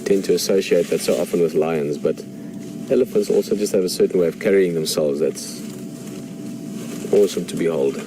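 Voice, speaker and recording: A man's voice: sits low, a little fast. A man with a South African accent, an Afrikaans speaker, giving enthusiastic live safari commentary from an open vehicle, chatting to viewers. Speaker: safari guide. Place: outdoors, open game-drive vehicle in the bush. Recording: outdoor noise, vehicle and birds.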